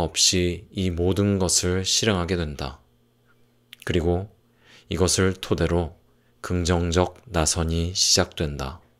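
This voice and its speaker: A man speaks very slowly in a very deep, low pitch, calm and with fairly even intonation. The recording is very clean with a silent background. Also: long, frequent pauses. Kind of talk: audiobook reading. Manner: soft-spoken, calm.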